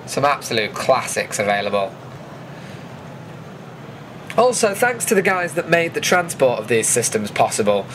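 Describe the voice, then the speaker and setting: A man's voice: medium pitch, very animated, moderate pace, long pauses, background noise. A man with a British accent giving a chatty, informal voice-over commentary as a vlogger recapping an event. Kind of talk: casual voice-over commentary on footage.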